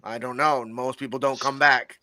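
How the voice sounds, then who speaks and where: Bright-toned game master, dry sound. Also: male voice, mid-range voice, fairly even intonation, no echo. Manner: casual, halting, many fillers. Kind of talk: narrating a tabletop game.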